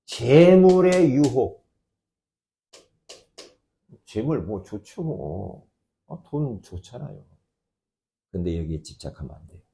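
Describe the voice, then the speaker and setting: A man preaching a sermon as pastor, emphatic, swinging between loud outbursts and quiet asides. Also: deep voice, sing-song, measured pace, creaky.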